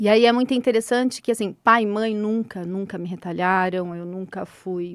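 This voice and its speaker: A woman speaks in a plain, everyday voice at medium pitch, with fairly even intonation and a moderate pace. The recording is very clean, with a silent background and a dry, close sound with no echo. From small town in inland Brazil. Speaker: integrative therapist. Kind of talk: interview, personal testimony.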